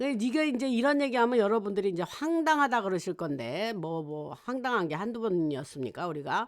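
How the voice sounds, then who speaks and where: A woman's fairly high voice with very wide pitch swings at a fairly quick pace, on a very clean recording with a silent background. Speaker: YouTube commentator on US politics. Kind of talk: solo monologue. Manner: hesitant, many fillers.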